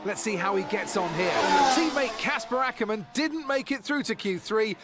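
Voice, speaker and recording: A man's voice: sits high, lively intonation, normal speed. A man playing a keen motorsport commentator setting the scene in a racing video game. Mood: keen, anticipatory. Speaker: sports commentator. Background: loud music.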